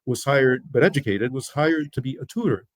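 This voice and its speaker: Older man telling family history slowly. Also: mid-range voice, expressive, dry recording. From United States. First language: Lithuanian. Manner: measured, pausing with "uh" between thoughts. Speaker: interview guest. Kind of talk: storytelling interview answers.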